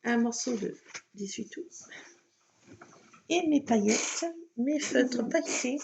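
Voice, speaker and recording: A woman's voice: fairly high pitch, lively intonation, takes it slowly, creaky, darkish tone. A woman chatting through a crafting tutorial at home, explaining each step with lots of fillers. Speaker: craft vlogger. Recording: dull lo-fi sound with faint noise.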